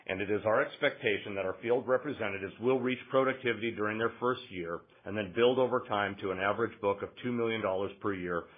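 Husky man reading on a muffled phone line. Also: fairly low pitch. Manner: formal, measured reading of figures. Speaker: company finance executive. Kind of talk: scripted financial report on an earnings call. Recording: muffled, narrow phone-line conference audio.

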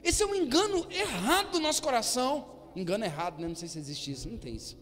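A man preaches to his congregation in an unusually high voice, sometimes driving his points home with a shout. His words ring out with a long reverb through a church hall, and soft music plays faintly behind him. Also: wildly swooping pitch, fast. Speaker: pastor. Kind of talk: sermon.

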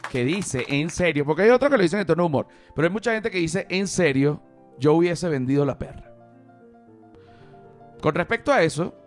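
A man hosting a podcast, telling a story in a casual, profane monologue full of joking digressions. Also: mid-range voice. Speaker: podcast host.

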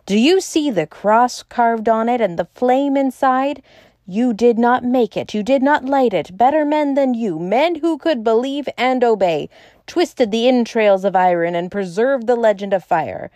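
A woman's voice: fairly low pitch, slow, hardly any pauses, darkish tone, no room sound, studio quality. A woman reading aloud and voicing a fierce, defiant young man who declaims in a thunderous voice. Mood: fiery.

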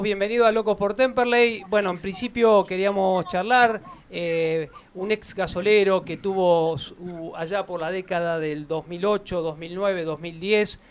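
A man's voice: high voice, clear, resonant tone. A man with a Rioplatense accent hosting a radio sports show, interviewing a guest with a hesitant delivery. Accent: Rioplatense Spanish.

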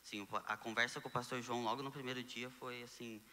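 Bright-voiced young Brazilian man telling a story. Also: mid-range voice, fast talker, long reverb tail, a little hiss or hum. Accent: Brazilian Portuguese. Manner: animated storyteller, acts out quoted dialogue. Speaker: guest sharing testimony. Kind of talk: casual conversation.

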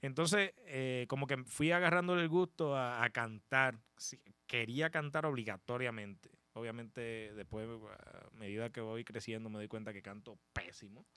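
A young man, a podcast guest telling his story in a relaxed way, with many fillers and repeats. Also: mid-range voice, normal speed, few pauses, smooth, dry recording. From Dominican Republic. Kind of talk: casual storytelling chat.

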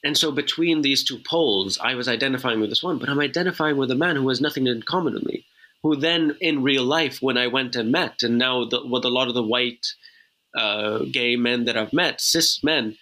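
A man's voice: mid-range voice, normal speed, bright, forceful tone, poor audio. A man from Lebanon, a writer and podcast guest, talking reflectively and searching for words. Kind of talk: casual conversation.

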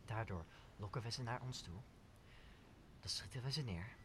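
A man's voice: lowish voice, moderate pace, noisy background, natural voice. A young man playing a scheming, impatient villain in an audio drama. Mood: impatient, menacing. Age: young adult. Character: scheming, impatient villain plotting in hushed tones. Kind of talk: Dutch audio drama of Shakespeare.

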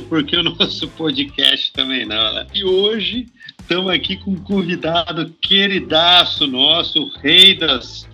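A man's voice: on the high side, bright, forceful tone, slightly rough. A man with a Brazilian accent hosting a podcast in a jokey, casual, upbeat way. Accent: Brazilian Portuguese. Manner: jokey, upbeat, says "né" often. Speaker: podcast host.

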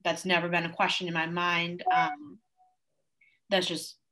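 Young woman in her twenties, bright clear tone, earnest, upbeat, college student being interviewed. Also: fairly low pitch, flat delivery, measured pace, a little hiss or hum. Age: 20s. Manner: earnest, upbeat, with frequent fillers. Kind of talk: casual interview conversation.

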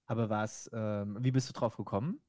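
A man's voice: lowish voice, fairly even intonation, normal speed, darkish tone, no echo, clean studio sound. A man co-hosting a casual podcast, giving his opinion in a laid-back, hesitant way. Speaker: podcast co-host. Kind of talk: casual chat.

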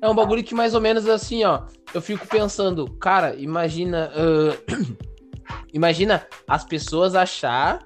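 A man's voice: high voice, a little slow, faint music behind. A man from Rio do Sul, chatting casually as a podcast co-host in a slangy, rambling way with many fillers. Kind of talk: casual chat.

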